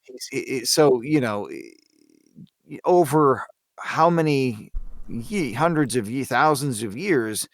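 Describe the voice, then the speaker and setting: A man chatting casually as a podcast panelist, halting and repeating words as he searches for his thought. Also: medium pitch, expressive, no echo. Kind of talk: casual interview chat.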